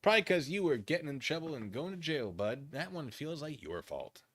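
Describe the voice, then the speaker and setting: Animated, bright-voiced man giving sarcastic commentary. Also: a little high, brisk, husky, no room sound, studio quality. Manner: mocking, sarcastic asides. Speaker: commentary streamer, channel host. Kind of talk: off-the-cuff commentary while reading a document aloud.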